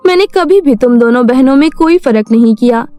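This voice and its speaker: A woman voicing a caring fairy mother, speaking in a warm, motherly way. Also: sits high, expressive, fairly quick, no room sound, soft background music. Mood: pleading.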